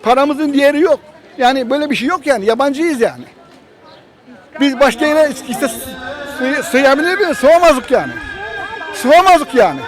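A man's voice: very high voice, lively intonation, normal speed, long pauses, some chatter behind, poor audio. A man in his sixties in a street interview, complaining in an aggrieved, repetitive, exclamatory way. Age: 60s. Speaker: passerby interviewee.

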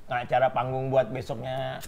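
A man's voice: mid-range voice, normal speed, vocal fry. Older man telling school stories. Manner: relaxed storytelling, chuckling often. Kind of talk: casual chat.

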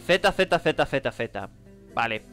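A man with a Spain Spanish accent reads game text aloud and gives excitable, bewildered gameplay commentary. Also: mid-range voice, takes it slowly, music in the background. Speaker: gamer.

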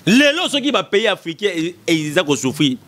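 A man's voice: high-pitched, very animated, moderate pace, a bit bright. A man in his thirties with a Congolese accent, giving impassioned political commentary into a desk mic in a small studio, emphatic and repetitive. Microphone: desk mic in front.

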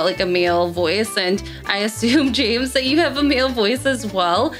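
Chatty young woman answering viewer questions. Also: fairly bright tone. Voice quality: fairly high-pitched voice. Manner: chatty, lots of "like" and "um" fillers. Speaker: tech reviewer. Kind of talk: casual Q&A talk to camera. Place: small room with gaming chair and LED lights, indoors.

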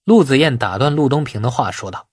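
A man's voice: mid-range voice, expressive, quick pace, darkish tone, slightly rough, dry recording, studio quality. A man reading a novel aloud as scripted audiobook narration.

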